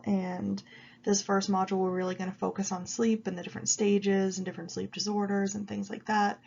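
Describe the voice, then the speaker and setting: A woman giving a recorded video lecture while she has a cold, explaining at an even pace with frequent ums. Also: mid-range voice, gravelly, highs cut off. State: stuffy with a cold. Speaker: college psychology instructor.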